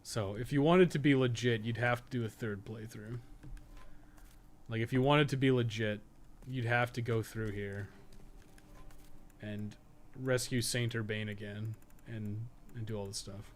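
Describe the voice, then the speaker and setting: A man's voice: mid-range voice, steady tone, measured pace. A man giving casual, rambling livestream game commentary, thinking aloud with some swearing and self-deprecation. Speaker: video game streamer and podcast co-host.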